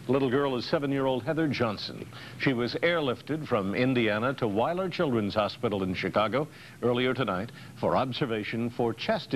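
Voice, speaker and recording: A man with an American accent reading scripted television news narration on an old taped newscast. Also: mid-range voice. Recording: noisy archival 1990s TV newscast tape.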